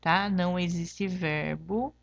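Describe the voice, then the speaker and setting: A woman's voice: fairly low pitch, fairly even intonation, slow, creaky, no echo, dull audio. A woman teacher with a Brazilian Portuguese accent, patiently explaining a lesson and checking in with "tá?" after each point, spelling examples out syllable by syllable. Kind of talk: remote classroom lesson.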